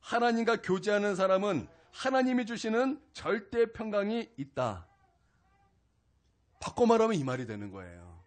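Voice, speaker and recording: A male pastor preaching a weekday sermon, telling a personal story in an animated way. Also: high voice, normal speed. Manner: animated storytelling, acts out his own angry outburst. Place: small church service.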